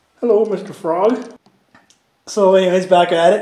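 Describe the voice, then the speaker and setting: A man's high-pitched voice amid audible room echo. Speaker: urban explorer vlogger. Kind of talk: casual vlog chat. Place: home room. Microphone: phone near.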